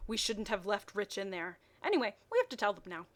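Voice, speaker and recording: A woman's voice: mid-range voice, sing-song, a little fast, close to an everyday voice. Female reader as frightened teen boy, flustered, fretful, urgent, guilty, fan fiction character.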